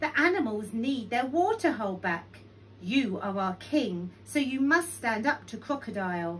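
Unforced reading, lively in its intonation

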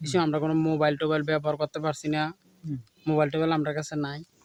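A man with a fairly high-pitched voice. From Bangladesh, Cumilla (Lalmai hills). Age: 20s. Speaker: truck driver. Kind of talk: street interview, storytelling. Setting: outdoors.

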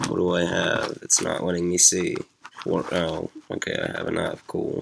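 Noticeable background noise sits behind the voice. The delivery keeps a moderate pace. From United States. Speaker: gaming YouTuber. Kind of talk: let's play gaming commentary. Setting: poor-quality home microphone. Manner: crude, excitable, joking.

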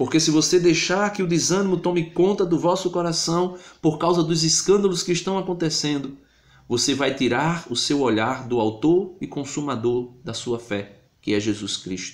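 A man with a Brazilian accent speaks in a solemn tone at a fairly high pitch. His intonation is lively. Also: moderate pace. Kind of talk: preacher exhortation. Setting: video channel, addressing viewers directly. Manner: fervent, earnest pleading, urging listeners to keep their eyes on Jesus; solemn, formal devotional tone with rhetorical repetition. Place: home room. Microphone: phone near.

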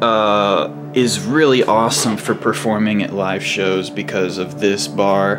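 A man talks with clear music in the background. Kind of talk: casual gear rundown. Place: home room. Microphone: phone near.

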